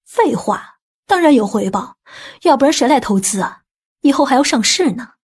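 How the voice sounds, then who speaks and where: A woman playing a confident, worldly aunt in an audiobook drama. Her voice sits fairly high with a breathy, husky grain, and she talks with matter-of-fact authority. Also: animated, moderate pace, darkish tone. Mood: chiding.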